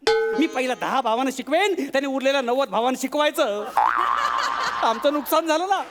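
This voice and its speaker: A whiny neglected prince. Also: male voice, very high voice, fairly quick, loud music behind the voice. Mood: complaining. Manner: whining, indignant complaining. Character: whiny young man, Dhritarashtra's overlooked son. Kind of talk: stage comedy sketch.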